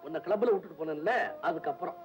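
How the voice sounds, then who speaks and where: Rough-spoken village father, blunt, high voice, echoey film soundtrack. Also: very animated, fast, darkish tone.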